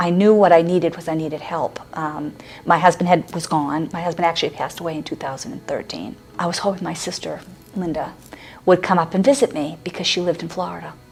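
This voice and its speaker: A woman's fairly low voice at a very fast pace, with ordinary pitch variation, big swings in loudness and music in the background. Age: 60s. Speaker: cancer survivor. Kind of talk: testimony. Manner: conversational with hesitations.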